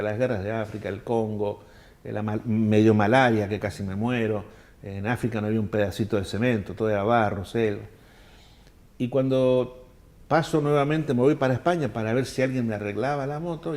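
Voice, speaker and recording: Older Argentine man telling travel anecdotes. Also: fairly low pitch. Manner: animated anecdotes, acts out quoted people in raised voices. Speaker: world traveler telling his story. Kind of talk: storytelling interview answers.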